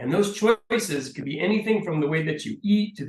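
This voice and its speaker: This is an ordinary speaking voice. It has ordinary pitch variation and a moderate pace. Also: man. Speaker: health speaker, clinician. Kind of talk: lecture.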